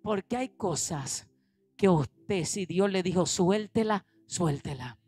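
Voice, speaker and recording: A woman pastor preaching a sermon in an animated way, swinging between loud emphatic lines and quiet asides. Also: on the low side, slow. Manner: animated preaching, acting out quoted voices.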